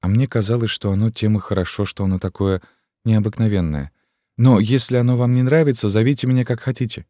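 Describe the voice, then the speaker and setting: A naive young gypsy girl from an old storybook, adoring and earnest, her voice lifted well above the reader's own as a man puts her on. She speaks in a soft, pleading lilt, with a dry, close sound around her. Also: on the low side, fairly even intonation, fast talker, no echo, pitched above the performer's own voice, lightly acted.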